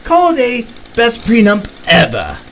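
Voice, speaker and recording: Wildly swooping, deranged clown villain. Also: male voice, very high voice, wildly swooping pitch, fairly bright tone, a little hiss or hum, full character voice. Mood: gleeful menace. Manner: theatrical, sing-song, drawn-out, lurching from murmurs to shrieks. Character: gleefully deranged theatrical male clown villain, mock-affectionate. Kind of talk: audio drama acting.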